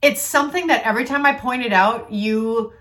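A woman's voice: on the high side, fairly quick, fairly bright tone. A woman co-hosting a casual podcast with her husband, frank and teasing, swearing now and then. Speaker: podcast co-host. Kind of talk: casual couple banter.

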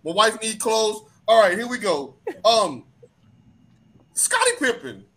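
A man hosting a casual sports talk show, animated and joking, sometimes dropping his voice low for comic effect. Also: slow pace. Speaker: host.

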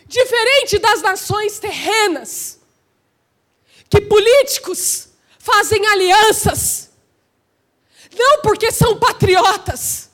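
A woman preaching a sermon with fervor. She often shouts and asks the congregation rhetorical questions. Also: extremely high pitch, lively intonation, takes it slowly, long pauses.

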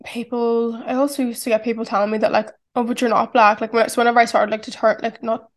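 A woman's voice: fairly high pitch, level tone, fast. A woman in her twenties with a strong Irish accent, talking through a casual, reflective solo podcast and saying "like" often. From Ireland. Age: 20s. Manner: chatty, reflective, heavy use of "like". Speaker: podcast host.

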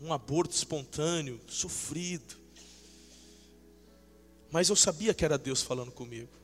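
A man preaching a sermon, swinging from shouted outbursts to low, intimate talk and acting out dialogue fervently. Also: a little slow, soft background music. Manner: fervent and emotional, acts out dialogue. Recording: long reverb of a large hall.

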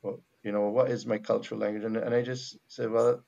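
In a casual faith conversation, a missionary guest from Barbados speaks with a Bajan accent, reflective and stop-start with many restarts. His lowish voice is level, creaky and mellow, heard through dull audio.

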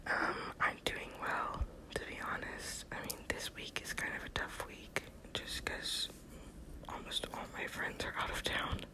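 A twenty-year-old American woman whispering a casual, rambling ASMR personal update in a soft, breathy voice. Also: a little slow, poor audio. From Texas, United States. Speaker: ASMR video creator.

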